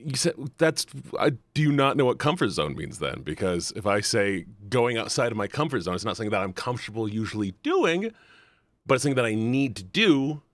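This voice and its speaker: A man's voice: medium pitch, big pitch swings, brisk, no room sound. A man talking casually on a livestream, rambling earnestly and bluntly and repeating himself for emphasis. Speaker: live streamer.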